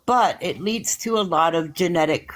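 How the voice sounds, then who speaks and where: A man's voice: a little high, moderate pace, fairly bright tone, poor audio. A man in casual chat, rambling through explanations with frequent restarts and hedges.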